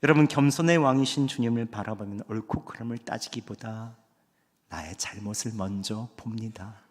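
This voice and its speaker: A man's voice: fairly low pitch, moderate pace. Man preaching in a reverberant church. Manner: earnest, conversational preaching with swings between raised and hushed delivery. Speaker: pastor. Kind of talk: Sunday sermon. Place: church sanctuary. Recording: long church hall reverb.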